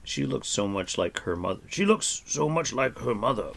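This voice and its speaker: A man voicing a huge, white-bearded old hermit who is stern but kindly and talks in a slow, musing, absent-minded way. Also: medium pitch, lively intonation, vocal fry, fairly bright tone. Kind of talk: audiobook character voice.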